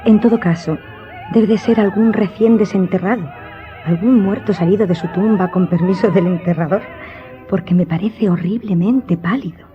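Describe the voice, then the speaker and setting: A woman's voice: medium pitch, normal speed, lightly acted. Nervous, imperious countess acted by a woman, muffled audio. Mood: haughty, intrigued. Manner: dramatic, formal, insistent. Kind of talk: radio drama acting. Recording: dull recording with background music.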